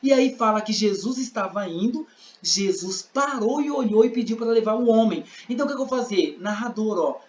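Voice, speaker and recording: This sign language interpreting teacher, accented in Brazilian Portuguese, has a high, expressive voice and a brisk delivery. He explains with examples and acts out scenes in class, captured in roomy, dull lo-fi sound.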